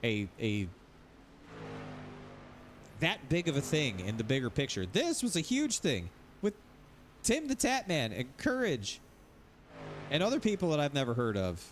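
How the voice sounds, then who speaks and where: A man's voice: fairly high pitch, huge pitch swings, unhurried, pauses often, a little hiss or hum. Rambling, cursing streamer guy. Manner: rambling, repetitive, swears freely. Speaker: sim racing streamer. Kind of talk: casual livestream rant.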